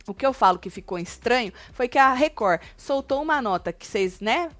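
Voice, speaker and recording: Animated woman gossiping, dry close sound. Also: on the high side, a little fast, dry recording. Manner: emphatic, animated retelling with quoted asides. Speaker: gossip show co-host. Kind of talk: casual reality-TV gossip chat.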